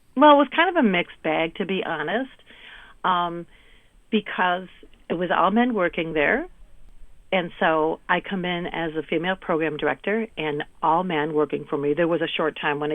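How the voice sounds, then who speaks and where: With an upstate New York accent, a woman speaks at a moderate pace, her fairly low pitch moving with ordinary variation. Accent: upstate New York American. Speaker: former radio program director. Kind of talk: radio interview.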